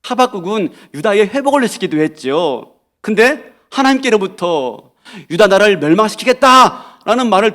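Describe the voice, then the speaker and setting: A man's voice: high-pitched, a bit bright. A male pastor preaching a sermon in a church, repeating key phrases and asking the congregation rhetorical questions.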